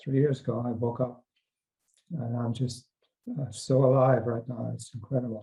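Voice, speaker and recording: A man's medium-pitched, dark and mellow voice, somewhat breathy and flat in intonation, at a moderate pace with long, frequent pauses. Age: 60s. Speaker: coaching client, holistic network founder. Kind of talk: testimony. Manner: halting, many fillers.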